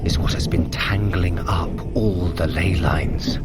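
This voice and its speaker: An actor playing a wry, cool-headed trickster god in a fantasy audio drama, with measured, formal, teasing speech. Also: male voice, sits low. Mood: wry, pleased. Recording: loud dramatic music behind.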